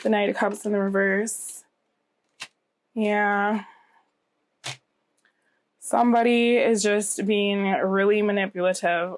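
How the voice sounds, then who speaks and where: A woman reads tarot for viewers in a casual, conversational way, at a middling pitch. Her voice is a little scratchy and nasal from a cold, and the sound is close and dry. She often checks in with short tag questions. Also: no echo. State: getting over a cold. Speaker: tarot reader, channel host.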